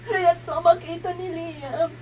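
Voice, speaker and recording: A woman's voice: extremely high pitch, fairly even intonation, a little slow, far from the mic, slight background noise. A woman acting in a homemade melodrama, pleading tearfully.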